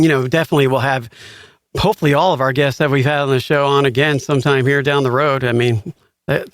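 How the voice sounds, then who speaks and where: A man's voice: fairly high pitch, a bit bright, no echo, studio quality. A man hosting a podcast in a casual, friendly, complimentary way. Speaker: podcast host, voiceover artist. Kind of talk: casual chat and show sign-off.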